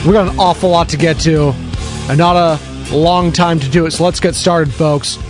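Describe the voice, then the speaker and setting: A man hosting sports radio like a ringmaster, with a booming, theatrical welcome and drawn-out, emphatic words. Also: fairly even intonation, music in the background. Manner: theatrical, emphatic, repeats phrases for effect. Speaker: sports radio show host. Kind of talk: energetic sports talk monologue.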